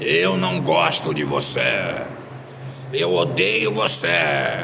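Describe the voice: A man's hoarse, put-on character voice at a very slow pace, over loud background noise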